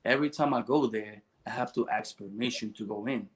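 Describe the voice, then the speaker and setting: A man, a podcast host sharing a personal story in relaxed, rambling chat. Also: lowish voice, a little fast. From Puerto Rico. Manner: relaxed storytelling with fillers and restarts. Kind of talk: casual chat.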